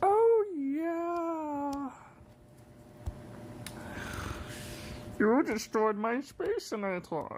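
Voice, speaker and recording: In a put-on character voice pitched high, the speaker talks at a very slow pace with very wide pitch swings and long, frequent pauses. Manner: cartoonish.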